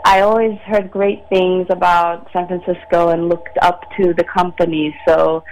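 A woman in her late twenties, from Sweden, a ballet dancer answering interview questions in a measured, soft-spoken way with many pauses. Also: lowish voice, flat delivery, slight background noise, poor audio. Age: 20s. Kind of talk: phone-in radio interview.

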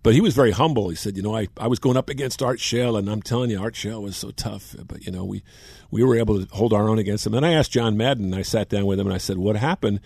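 A man in his sixties, a longtime sports broadcaster, telling animated anecdotes in casual chat. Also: fairly low pitch, fast talker, creaky, slightly rough, dry recording. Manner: animated anecdotes, acts out quotes.

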